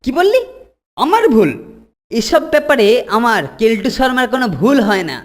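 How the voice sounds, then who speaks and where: High, swooping, scheming schoolboy. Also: female voice, very animated, normal speed. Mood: boastful, scheming. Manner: exclamatory, exaggerated cartoon delivery. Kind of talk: Bengali children's cartoon dubbing. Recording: music behind the voice.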